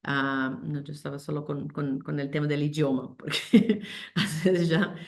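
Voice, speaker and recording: A woman's voice: deep voice, fairly even intonation, measured pace, gravelly. A woman giving a panel presentation over a video call, speaking Spanish as a second language, hesitant with many fillers and restarts. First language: not Spanish. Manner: hesitant, many fillers and restarts, code-switches English terms.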